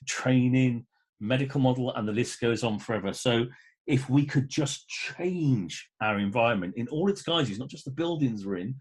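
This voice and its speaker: A man in his fifties talking as a podcast guest in an enthusiastic, emphatic, rambling conversational way. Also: medium pitch. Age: 50s. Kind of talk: casual conversational interview.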